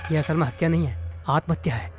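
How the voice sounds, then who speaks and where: An actor playing a doctor who states the facts of a death plainly and with certainty. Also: male voice, on the high side, fast, over music, close to an everyday voice. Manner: matter-of-fact, certain. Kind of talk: film dialogue.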